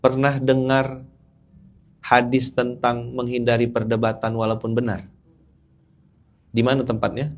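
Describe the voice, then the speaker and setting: A man's voice: medium pitch, completely flat delivery, measured pace, pauses often. A male Islamic preacher, giving a casual, humorous sermon and often asking his audience questions.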